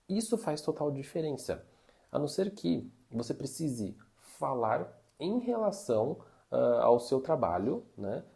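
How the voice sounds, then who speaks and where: A man gives language-learning advice in a relaxed, chatty teaching monologue. His voice carries a gravelly fry and a mellow, dark tone, and he leans on little fillers as he explains. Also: mid-range voice. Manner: chatty, uses many fillers like "né" and "tá". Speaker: Mandarin teacher. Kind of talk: casual teaching monologue to camera.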